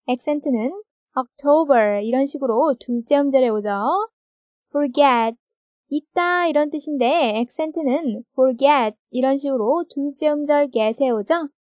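A woman with a Korean accent and a high voice teaches English grammar in a recorded video lecture. She reads example sentences carefully and ends her explanations with gentle rising questions. The sound is dry, clean studio audio.

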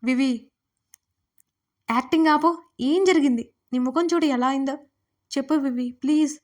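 Woman voicing a caring young man, gentle and pleading. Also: very high voice, flat delivery, brisk. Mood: worried pleading. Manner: pleading, soothing.

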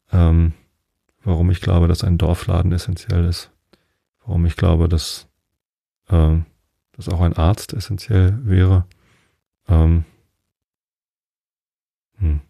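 A middle-aged man from Northern Germany hosting a sleep podcast, musing slowly and softly with many fillers. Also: sits low, vocal fry, slightly rough, no room sound, studio quality. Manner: slow, soft-spoken, with many fillers. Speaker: podcast host. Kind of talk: calm rambling monologue. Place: at home.

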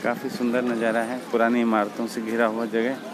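A man in his thirties from India with an Indian accent, vlogging as he walks, narrating quickly and chatting in simple English. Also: medium pitch, completely flat delivery. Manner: rapid, breathless narration, halting simple English in chat. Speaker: travel vlogger. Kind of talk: casual travel vlog narration and street chat. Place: outdoor city square with traffic. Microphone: phone camera held while walking. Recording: outdoor street noise.

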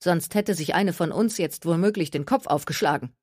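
A woman's voice: on the low side, moderate pace, darkish tone, slightly rough, no room sound, studio quality. A woman voicing a practical, firm woman who speaks in a matter-of-fact way.

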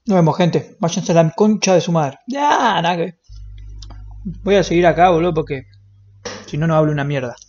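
A man's voice: fairly high pitch, normal speed, pauses often, a little mellow, highs cut off. A young man with a Rioplatense Spanish accent, streaming a roleplay game in a brash, joking, swear-heavy manner. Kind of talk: casual gameplay roleplay stream.

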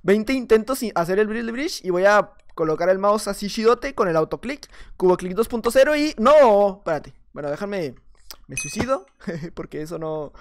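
A man's voice: high-pitched, expressive, normal speed. Mexican man, gaming creator, talks through his own play in a loose, chatty way, laughs at himself. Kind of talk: casual gameplay commentary.

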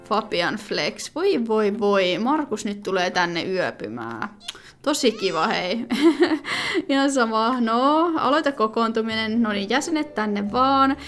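Lively, high-voiced woman commenting on gameplay. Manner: chatty, thinking aloud with many fillers and sudden exclamations. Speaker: gaming video creator.

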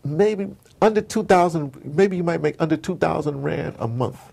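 An American man being interviewed, talking casually as an animated storyteller and often checking in with "you know". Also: a little high, moderate pace, creaky. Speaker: interview guest, audio drama maker.

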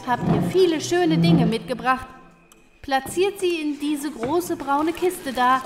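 A woman voicing a proud female little creature who leads a chamber, speaking ceremoniously in theatrical rhyme for a children's audio drama. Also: high voice. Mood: encouraging. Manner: ceremonious, theatrical rhyming delivery.

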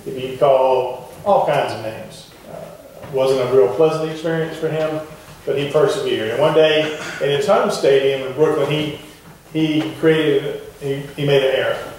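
A middle-aged man preaching a sermon to his congregation in a wooden church, talking in a relaxed, conversational way and asking the pews questions. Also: mid-range voice, a little slow, slight background noise. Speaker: pastor. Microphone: far camera at the back of the church. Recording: echoey church heard from far off.

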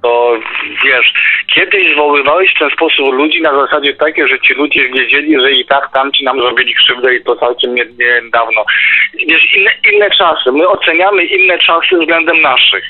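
A man's voice: medium pitch, normal speed. A man debating casually in an insistent, argumentative way, often repeating himself. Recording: tinny narrow phone line. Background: music.

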